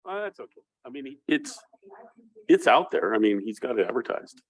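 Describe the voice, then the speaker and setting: A man chairing a tribal council meeting, talking informally and haltingly. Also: medium pitch, very animated, slightly rough.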